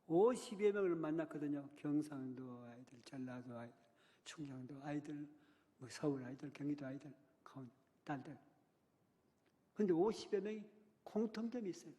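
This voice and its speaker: An older man giving an impassioned sermon as a guest speaker at a church, swinging from hushed tones to loud emphasis. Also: medium pitch. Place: church sanctuary. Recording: long hall reverb.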